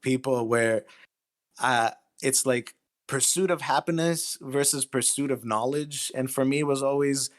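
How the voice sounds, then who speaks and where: A man's voice: mid-range voice, fairly even intonation, measured pace. A man speaking as an interviewed writer in a casual, earnest, plain-spoken and matter-of-fact way.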